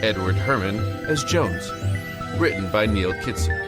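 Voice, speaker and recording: A man's voice: lowish voice, expressive, a little slow. A man reading scripted cast credits as the announcer of an audio drama. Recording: loud music bed under voice.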